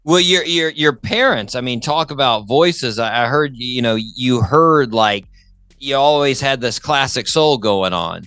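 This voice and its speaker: Male talk show host, smooth crisp voice, bright tone, informal and enthusiastic, close dry sound. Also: mid-range voice, expressive, a little slow, dry recording. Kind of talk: casual music interview chat.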